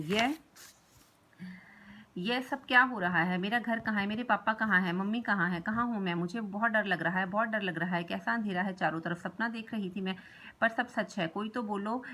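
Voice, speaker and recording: A woman's voice: mid-range voice, normal speed, pushed and bright. A woman voicing a lost, frightened little girl in a play read aloud. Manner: fearful, wondering.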